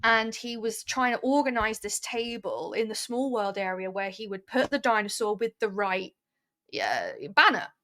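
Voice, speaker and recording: A woman, an early years teacher talking casually on a podcast, telling animated stories full of fillers. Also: medium pitch, moderate pace. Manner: animated storytelling with many fillers. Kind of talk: casual chat.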